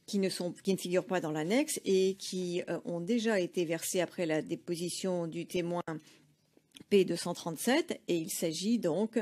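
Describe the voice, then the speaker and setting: Une femme interprète de tribunal, qui traduit en simultané avec un débit mesuré et des hésitations fréquentes. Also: female voice, lowish voice, mellow. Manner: measured, hesitant with frequent fillers. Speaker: courtroom interpreter.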